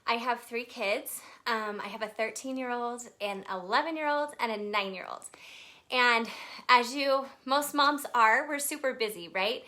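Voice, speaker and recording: Bright, chatty woman in her thirties. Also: fairly high pitch, a little slow. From Texas. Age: 30s. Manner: chatty, nervous, greets viewers by name. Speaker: livestream presenter. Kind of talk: casual live video chat.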